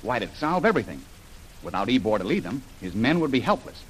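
A man's voice: medium pitch, very animated, quick pace, slight background noise, lightly acted, poor audio. An actor playing a bold, confident male jungle adventurer who takes charge in an old radio serial.

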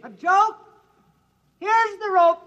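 An actor playing an eerie, calm male stranger who speaks in a stiff, formal, oddly literal way, in an old radio drama. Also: very high voice, slow pace, dull audio, heavily acted. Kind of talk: 1950s radio drama acting.

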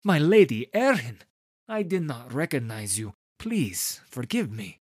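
A man's voice: mid-range voice, sing-song, a little slow, slightly rough, no echo, voice pushed up. Storybook role: fretful male troupe master, read by the narrator, raised and obsequious, with a dry studio sound. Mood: flustered. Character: fretful, fawning male theater troupe leader. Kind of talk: storybook character voice.

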